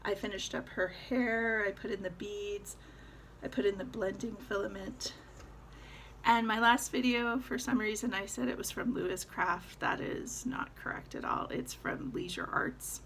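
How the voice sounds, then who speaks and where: A woman talks through her stitching projects in a relaxed, rambling way, full of little fillers. Her voice has a gravelly fry at the edges, and a faint hiss sits under the recording. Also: medium pitch, a little slow. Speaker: cross-stitch vlogger. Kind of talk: casual show-and-tell chat.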